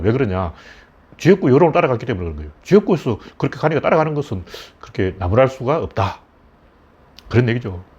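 A middle-aged man talks through politics in a blunt, scornful way, with mocking asides. His voice sits at an ordinary pitch for a man. The recording is dull and lo-fi, as if the highs are cut off. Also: darkish tone, slightly rough. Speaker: political commentator. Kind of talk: casual spoken commentary.

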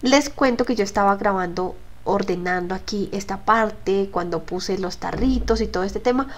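A woman's voice: mid-range voice, moderate pace. A young woman, talking viewers through her kitchen organizing in a casual, chatty voice-over full of asides and fillers. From Colombia. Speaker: home vlogger.

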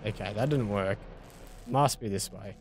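Laid-back Australian gamer muttering along. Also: male voice, lowish voice, moderate pace, noisy background. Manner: casual, muttering thoughts aloud with mild swearing. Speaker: gaming YouTuber. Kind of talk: let's play commentary.

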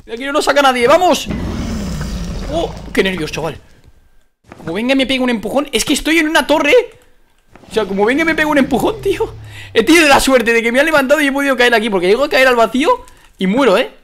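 A man with a Spain Spanish accent gives excited gameplay commentary, swinging from muttering to loud shouts. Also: very high-pitched, fast, pauses often, a little hiss or hum. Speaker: gaming video creator.

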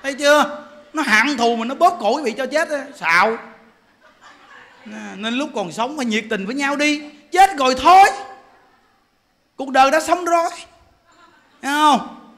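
A man's voice: very high-pitched, moderate pace, long pauses, pushed and bright. A man in his forties with a Southern Vietnamese accent, giving a dharma talk in a joking, laughing way full of rhetorical questions. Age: 40s. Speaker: Buddhist monk preacher.

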